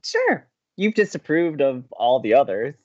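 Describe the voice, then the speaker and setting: Slightly dull, lo-fi audio carries a man acting an upbeat male college radio host in a romantic comedy drama. His delivery is lively and melodic, with a breezy, teasing playfulness. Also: mid-range voice, measured pace. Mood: playful.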